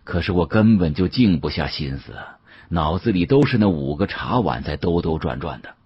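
A man narrating an audiobook as dramatic first-person storytelling, expressive and theatrical, with colloquial asides. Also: low voice, normal speed, husky, dry recording, highs cut off.

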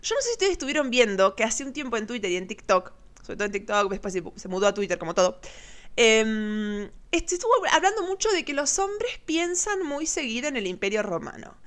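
A woman's voice: fairly high pitch, big pitch swings, brisk, fairly bright tone. A woman with an Argentine accent casually commenting on viral clips as host, chatty and sarcastic, often laughing. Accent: Argentine Spanish.

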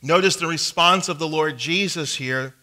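A man's voice: on the high side, moderate pace, pushed and bright. A man in his thirties preaching a sermon from a church pulpit, reading scripture aloud with earnest emphasis. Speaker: pastor. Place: church sanctuary, indoors. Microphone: pulpit mic, far camera.

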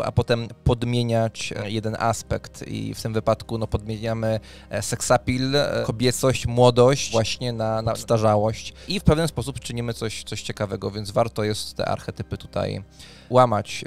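A man's voice: mid-range voice, creaky. A man, co-hosting a discussion of tabletop role-playing ideas, often searching for words. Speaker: podcast co-host, game master. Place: small dim home studio. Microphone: close studio mic on arm, headphones. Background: faint music.

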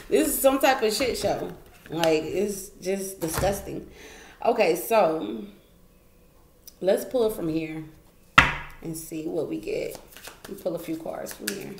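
A gravelly, medium-pitched woman gives a casual tarot reading at a wooden table indoors, chatty and emphatic, repeating phrases and laughing a lot. The camera points down at the table and she stays off frame. The room is echoey, with faint noise.

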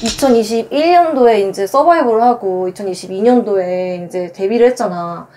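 A woman's voice: mid-range voice, brisk, mellow. A woman hosting a casual talk show, asking her guests questions with eager, curious reactions. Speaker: host. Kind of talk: casual chat, interviewing. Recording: music bed under the talk.

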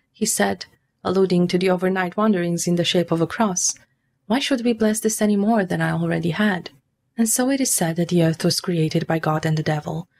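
A woman with a fairly low voice reads scripted narration as a storyteller and explainer. Her delivery is formal and measured, with a faint layer of ambient noise behind her. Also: a little mellow. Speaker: narrator of a mythology video.

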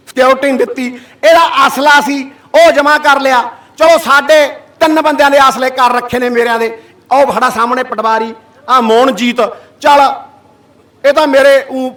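A man's voice: very high voice, a bit bright. A middle-aged man, an activist giving a fiery speech to a gathered crowd, full of rhetorical questions. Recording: voice picked up from a distance.

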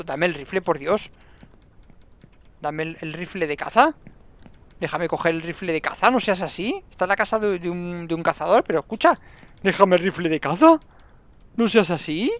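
A man giving excitable gameplay commentary and talking to himself as he plays. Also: high-pitched. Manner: excitable, talks to himself and the game. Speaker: gaming YouTuber.

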